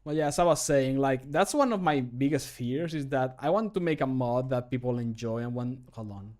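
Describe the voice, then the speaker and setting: A man talks casually on a livestream as he works at his desk. His voice sits at a medium pitch. He often mutters to himself and has a self-deprecating way of talking. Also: normal speed, a little mellow. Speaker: game modder recording his own voice lines, streamer. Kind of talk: casual livestream commentary while working. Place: indoor room at a computer desk.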